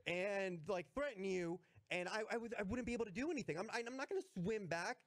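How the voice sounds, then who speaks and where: A man in casual podcast chat, telling a story in a halting, self-deprecating way and laughing at himself. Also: high voice.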